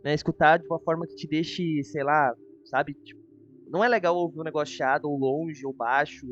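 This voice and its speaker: A Brazilian man with a fairly high voice hosts a relaxed review chat. He talks informally and chattily. The sound is a little dull, with faint music underneath. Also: fairly quick. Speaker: host. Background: faint background music.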